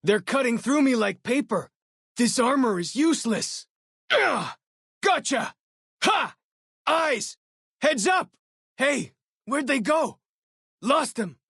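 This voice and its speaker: Eager young tribal scout, clean and dry. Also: male voice, extremely high pitch, sing-song, slow pace, creaky, long pauses, a bit bright, breathy edge, no room sound, exaggerated voice. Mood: alarmed, urgent. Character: eager young tribal scout, jumpy but loyal companion. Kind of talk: video game character voice acting.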